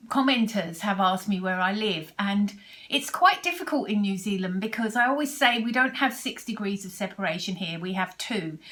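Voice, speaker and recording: British woman, 60s, sewing vlogger; chatty, rambling, mid-pitched, casual to camera. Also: a bit bright. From Britain. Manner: chatty, rambling, with restarts and asides.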